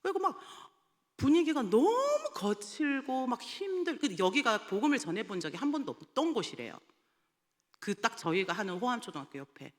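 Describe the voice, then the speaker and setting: A woman evangelist telling a lively testimony in a sermon, laughing often as she recounts stories. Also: fairly high pitch, fairly quick. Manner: animated storytelling, often laughing. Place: church sanctuary. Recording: long church hall reverb.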